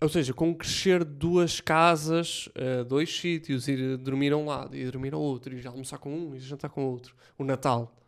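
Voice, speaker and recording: A man with a European Portuguese accent speaks at a fairly high pitch with fairly even intonation and big swings in loudness. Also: moderate pace. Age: 20s. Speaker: comedian. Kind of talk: casual chat.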